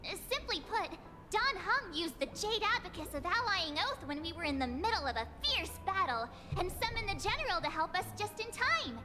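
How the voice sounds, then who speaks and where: Very high-pitched perky girl. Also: brisk, over music. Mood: hesitant. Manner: expressive, chatty, girlish. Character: perky, earnest young girl adventurer companion. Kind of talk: anime-style video game acting.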